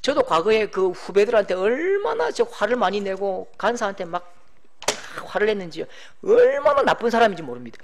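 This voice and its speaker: A middle-aged pastor preaching a sermon, animated, acting out quoted voices and shouting for emphasis. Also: male voice, sits high, a little fast, slight background noise.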